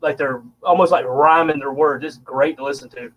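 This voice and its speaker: A man's voice: on the high side, steady tone, moderate pace, fairly bright tone, slight background noise. A man with a Southern accent from upstate South Carolina, telling stories in easygoing casual chat. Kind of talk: casual storytelling. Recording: dull lo-fi sound.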